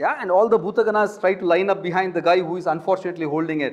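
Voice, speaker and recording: A man talks at a fairly quick pace. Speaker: storyteller, music teacher. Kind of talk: storytelling to children. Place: classroom. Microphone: lapel.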